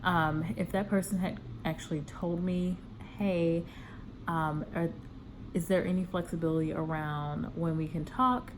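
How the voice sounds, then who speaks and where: A woman's voice: on the low side, fairly even intonation, a little slow, background noise. A woman recruiter talking casually to viewers in a conversational vlog style, offering practical career advice. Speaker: corporate recruiter giving job interview advice.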